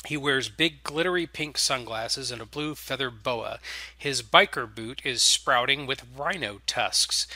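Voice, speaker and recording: A man narrates a written story with theatrical flair. His voice is very sharp and bright at a medium pitch, and the sound is dry and close. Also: no room sound.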